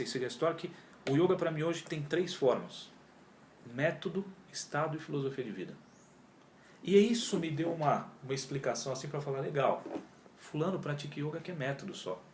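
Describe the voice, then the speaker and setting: A man's mid-range voice comes with a little hiss or hum. He's a yoga teacher from Brazil in his 40s, speaking as a guest in a casual interview, where he animatedly tells his story, acts out his own past dialogue, and uses lots of slang. The room is echoey, with faint ambience.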